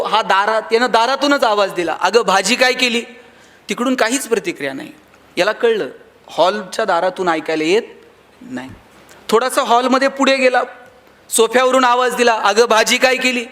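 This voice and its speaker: This motivational speaker is a man with a Marathi accent whose voice sits high and sounds fairly bright. Speaking in a hall, he tells stories and performs the dialogue in different voices.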